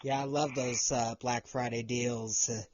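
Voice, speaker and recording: A man's voice: medium pitch, flat delivery, measured pace, a little mellow, muffled recording, slight background noise. A man hosting a Christian music podcast, chatting easily with some joking and fillers, then reading news. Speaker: podcast host and news reader. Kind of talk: casual interview chat and read news segment.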